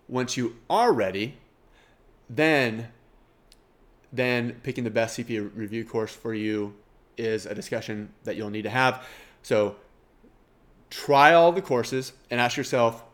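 Middle-aged guy w/ a kansas twang, nasal voice, rambly podcast host who laughs at himself. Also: mid-range voice. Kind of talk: casual podcast monologue.

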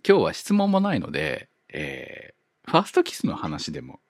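A man hosting a casual chat, relaxed and joking, with chuckles between his remarks. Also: medium pitch, normal speed, no room sound, clean studio sound. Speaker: podcast host.

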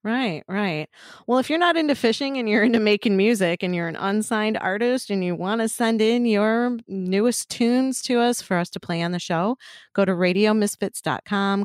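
A woman co-host chatting casually on a podcast, rambling from one story to the next with plenty of swearing and laughter. Her voice is a touch hoarse from allergies, sitting at a middling pitch. The recording is dry and close. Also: no echo. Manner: rambling, profane, laughs often. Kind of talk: casual chat.

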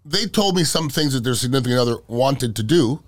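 Blunt middle-aged man, animated storyteller. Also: medium pitch, brisk. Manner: blunt, emphatic, repeats himself for effect. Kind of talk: casual comic chat and storytelling.

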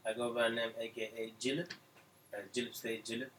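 A man from Somalia, a musician guest on a radio show, talking in a relaxed way with many fillers. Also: mid-range voice, brisk, slight background noise. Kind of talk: casual radio interview.

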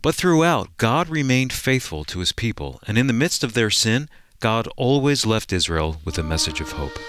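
A man hosting a Christian radio program, reading a scripted intro and news in a smooth, polished way. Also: mid-range voice, sing-song, moderate pace, fairly bright tone, a little hiss or hum. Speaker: radio host.

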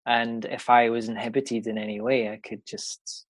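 A man with a Scottish accent, a card reader talking casually in an interview, relaxed and rambling with lots of fillers. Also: medium pitch, normal speed, no echo, poor audio. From Scotland. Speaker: intuitive card reader, guest.

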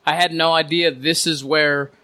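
A man with a fairly high, bright voice chats casually on a podcast. He is quick to poke fun at himself, and his tone is forceful and clear. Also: flat delivery. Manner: self-deprecating, chatty. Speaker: podcast co-host. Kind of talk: casual chat.

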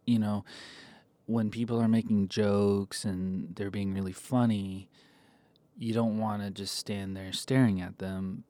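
A man recording a deadpan comedic voice memo into a phone, halting with lots of ums. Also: fairly low pitch, no echo. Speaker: comic giving mock advice.

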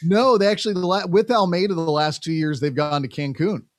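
A young man chatting casually about soccer on a podcast. His voice sits a little high and sounds dry and close to the mic. He talks in an animated way, full of fillers, and acts out quoted exchanges. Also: fairly quick, no echo. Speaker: podcast co-host covering soccer. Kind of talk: casual sports chat.

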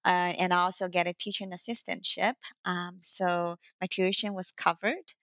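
A woman from Shanghai, China, speaking English as a podcast guest, often pausing on "um" and "uh" while she explains her path. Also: on the low side, level tone, a bit bright, no room sound. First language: Mandarin Chinese. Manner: many "um" and "uh" fillers, earnest. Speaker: guest, startup CEO. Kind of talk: interview answers.

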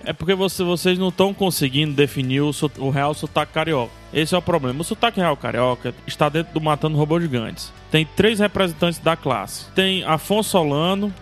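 A man speaks as a podcast guest, explaining things in a wry, unhurried way. His voice sits slightly high, with faint music behind him. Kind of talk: casual podcast chat.

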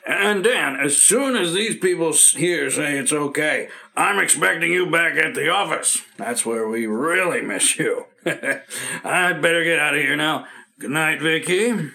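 A man's voice: a little high, animated, creaky, sharp tone, full character voice. An actor playing a chatty, chuckling male co-worker visiting a friend, in a 1950s radio play. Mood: jovial. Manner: jovial, slow-talking, chuckling. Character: chatty middle-aged male office colleague.

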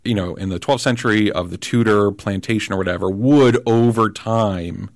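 Low-voiced man, halting and thoughtful. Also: no echo, clean studio sound. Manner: thoughtful, halting, many restarts. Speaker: podcast guest. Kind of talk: casual political conversation.

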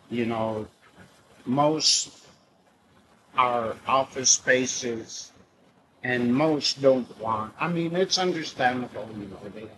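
A man, a carver, speaking hesitantly with many pauses in a documentary interview. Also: medium pitch, noisy background.

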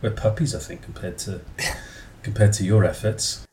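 A man in his forties hosts a casual podcast in a low, soft-edged, mellow voice. He rambles gently and corrects himself mid-thought. There is faint background noise on the recording. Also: normal speed. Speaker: podcast host. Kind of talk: casual chat, podcast introduction.

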